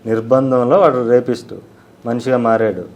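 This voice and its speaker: A man's voice: medium pitch, little pitch movement, normal speed, darkish tone. A man, a film director and actor, answering interview questions in a blunt, self-assured and emphatic way.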